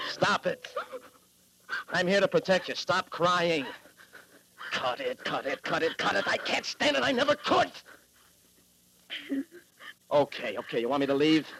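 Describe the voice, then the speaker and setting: A drunken hard-boiled private eye. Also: male voice, on the high side, gravelly, fairly bright tone, husky, full character voice, rough recording. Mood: agitated. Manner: slurring, brooding, swings from tender to threatening. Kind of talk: 1940s radio acting.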